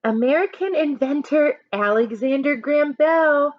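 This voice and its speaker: A woman teacher reading aloud to children, adding chatty instructive asides in an expressive manner. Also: sits high, a little slow, no echo, lo-fi sound. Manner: expressive, instructive, acts out short examples.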